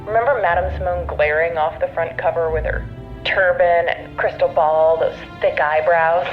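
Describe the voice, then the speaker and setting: A muffled telephone voice with music behind it: a breezy, snarky woman, slightly low in pitch. She talks in a wry, teasing, conversational way, as in an audio drama. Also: fairly even intonation, moderate pace. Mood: amused, snarky. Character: snarky, breezy, amused sister on the phone. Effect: telephone filter.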